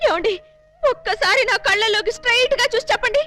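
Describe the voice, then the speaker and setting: A melodramatic young prisoner. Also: female voice, very high-pitched. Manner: fast, pleading and melodramatic. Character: headstrong young woman prisoner in love. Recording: film soundtrack with loud music.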